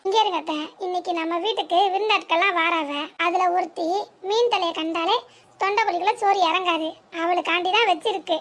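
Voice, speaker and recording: A piercingly high, sarcastic young daughter-in-law, voiced by a woman snaps back in a cartoon comedy. Her southern Tamil Nadu accent and quarrelsome needling run through every line. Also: a little fast, fairly bright tone.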